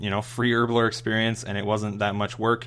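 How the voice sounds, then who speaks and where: Fairly even intonation marks this man's speech. His pitch stays in the middle range. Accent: Minnesota. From US Midwest, Minnesota. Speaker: gaming YouTuber. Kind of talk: gaming tutorial commentary. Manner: casual, conversational.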